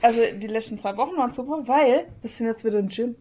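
A woman's voice: on the high side, quick pace, dark tone, slight background noise. A woman chatting casually and eagerly as a podcast co-host, often jumping in.

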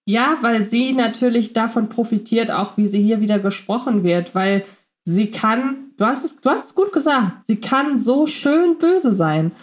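A woman's voice: a little high, animated, a little slow. A woman co-hosting a casual fan podcast, reflecting in long winding sentences full of fillers. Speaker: podcast co-host.

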